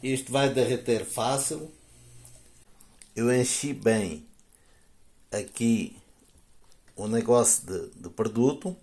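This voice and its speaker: A man's voice: medium pitch, mellow. A man from Portugal with a European Portuguese accent, hosting a casual how-to demonstration and chatting at length as he works. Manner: chatty, explains at length, frequent "né?" and "ó". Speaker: DIY video host. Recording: echoey room.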